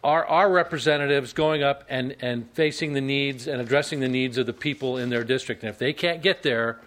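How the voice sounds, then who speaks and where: A man's voice: medium pitch, fairly quick, a bit bright. A man speaking earnestly at a public hearing, often repeating words as he thinks. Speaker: public commenter.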